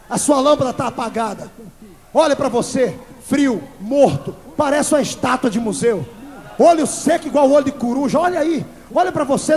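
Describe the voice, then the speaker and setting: A Brazilian man preaching a fiery Pentecostal sermon as pastor, shouting at the congregation and then dropping to low, intense tones. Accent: Brazilian Portuguese. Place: large church. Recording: long hall echo, old VHS tape.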